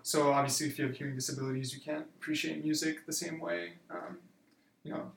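A man in his twenties, a university student, answering interview questions in a relaxed way with many fillers. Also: on the high side, quick pace, vocal fry, reverberant. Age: 20s. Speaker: student guest.

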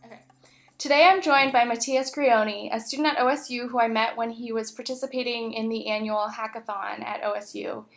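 A woman's voice: fairly high pitch, fairly even intonation, a little fast, vocal fry, soft background music. A woman hosting an interview, asking short questions and giving brief affirmations. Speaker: interview host. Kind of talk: hosted interview.

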